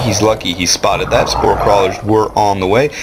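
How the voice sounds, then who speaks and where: A man with a fairly low pitch talks while noticeable background noise runs behind him. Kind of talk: live game commentary. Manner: animated.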